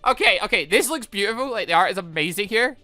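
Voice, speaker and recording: A woman giving excitable, giggly let's play commentary as a gaming channel host. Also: medium pitch, fast talker, dry recording, faint music behind. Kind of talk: let's play commentary with read-aloud dialogue.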